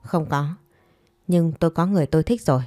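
Woman voicing cool proud ex-boyfriend, measured, low-pitched, fireside storytelling romance, dry sound, music bed. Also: mellow, no room sound, close to an everyday voice. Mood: cool, composed. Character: composed, proud man coolly rejecting his former girlfriend.

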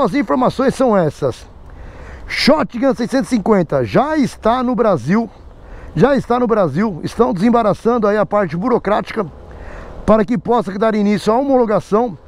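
A man's voice: sits high, a little mellow. A man with a Brazilian Portuguese accent chatting casually to his viewers, recorded outdoors in light rain. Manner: chatty, repeats "né?" and "pessoal". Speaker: motorcycle vlogger. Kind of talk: casual vlog talk to viewers.

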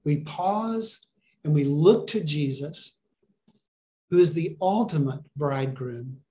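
Pastor, male, fairly high voice, earnest and encouraging, preaching on a webcam. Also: slow pace, warm tone. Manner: earnest, encouraging, asks the listeners questions. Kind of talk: sermon over a video call. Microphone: video call webcam.

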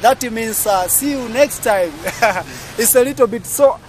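High-voiced Tanzanian man vlogging outdoors. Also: unhurried, soft background music. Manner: chatty, restating answers to the viewers. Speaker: vlogger host. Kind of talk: casual street interview. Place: outdoors by a market street. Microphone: handheld phone at arm's length.

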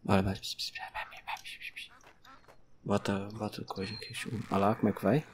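A man's voice: fairly low pitch, a little fast, a little hiss or hum. A man with a Brazilian accent giving casual gameplay commentary, yelping and scolding the zombies as he plays. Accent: Brazilian Portuguese. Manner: excitable, yelps and talks to zombies. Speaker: gameplay streamer.

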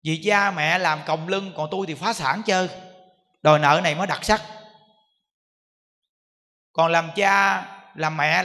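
Brief: male monk, Southern Vietnamese accent, high voice, sermon storytelling, echoey hall. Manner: lively storytelling with filler particles. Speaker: Buddhist monk.

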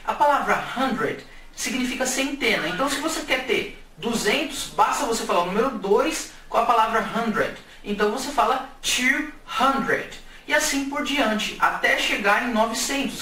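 A man's voice: very high-pitched, lively intonation, normal speed, bright, forceful tone. A man from Brazil teaching English numbers in a casual, jokey video lesson. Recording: echoey room, mic at a distance, faint hiss.

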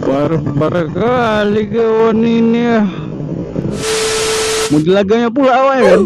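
A man's voice: sits high, a little slow, creaky. Man, young, playful joking motovlog chat, muffled helmet mic, faint wind noise. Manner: joking, playful, self-mocking. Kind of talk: rambling comic motovlog chat. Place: riding a motorcycle on city streets outdoors.

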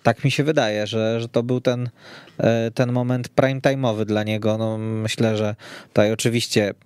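A man hosting a football discussion in a studio, talking in a measured, explanatory way. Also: lowish voice, fairly even intonation, darkish tone, clean tone, no echo. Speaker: podcast host. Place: radio studio.

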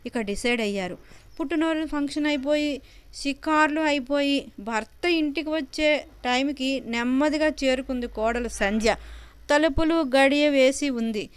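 A woman's voice: high-pitched, moderate pace, no echo. A woman telling an emotional family story in earnest, scripted narration.

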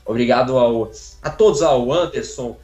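A young Brazilian man speaks casually from a small room at home over a phone video call, his voice carrying a roomy echo. He talks in a warm, grateful way, rambling with lots of fillers and restarts, at a mid pitch. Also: moderate pace. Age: young adult. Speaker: interviewee, voice acting contestant. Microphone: phone camera, video call.

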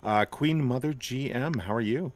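A man's voice: mid-range voice, moderate pace. A man hosting a charity game stream on a headset, upbeat and introducing guests. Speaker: stream host. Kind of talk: casual chat.

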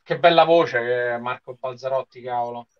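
A man's voice: medium pitch, normal speed. A man giving casual live commentary as a panelist on an anime watch-along over a video call. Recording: slightly dull video call audio.

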